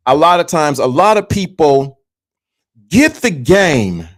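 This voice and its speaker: A man's voice: fairly high pitch, big pitch swings, slow pace. A man in his fifties hosting a live stream, giving a motivational talk to his viewers and repeating his key points. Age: 50s. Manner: repetitive, preachy, addresses viewers directly. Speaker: livestream host.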